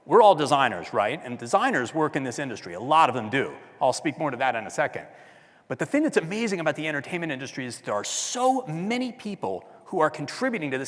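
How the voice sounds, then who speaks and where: A man giving a talk at a design conference, chatty and loud, often asking the audience questions. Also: a little high, big pitch swings, brisk, in a large hall. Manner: loud speaking voice. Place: large hall with audience.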